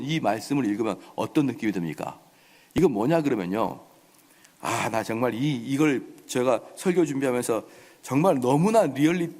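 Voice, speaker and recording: A man's voice: medium pitch, darkish tone. A male pastor preaching a sermon, acting out the scripture characters in voice as he explains them. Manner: acts out the mocking king in dramatic voices. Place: church sanctuary. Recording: long church reverb.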